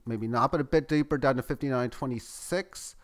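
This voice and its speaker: A man giving live, tick-by-tick commentary on a price chart as the host of his channel, growing excitable at key moments. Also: a little fast. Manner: running play-by-play, excitable at highs. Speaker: market chart analyst.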